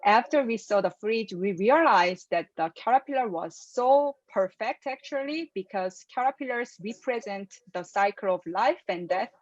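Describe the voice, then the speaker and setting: A woman's voice: mid-range voice, expressive, normal speed, hardly any pauses, no echo. Woman, dry lo-fi call audio. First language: Korean. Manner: careful, earnest, soft laughs between points. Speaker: filmmaker guest. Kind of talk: interview answers. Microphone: video call.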